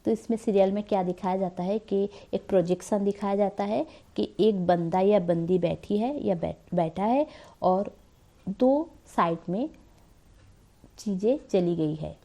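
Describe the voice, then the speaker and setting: A woman's voice: mid-range voice, unhurried, vocal fry, mellow. A woman hosting her own spiritual channel, giving a casual talk to the camera and asking rhetorical questions. She is a little unwell. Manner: conversational, asks rhetorical questions. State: slightly unwell, coughing.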